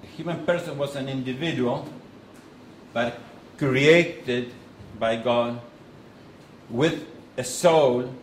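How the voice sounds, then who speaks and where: A middle-aged man from Argentina with an Argentine Spanish accent, giving a conference lecture in a measured way with pauses and restarts. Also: medium pitch. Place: conference hall. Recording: echoey hall with faint noise.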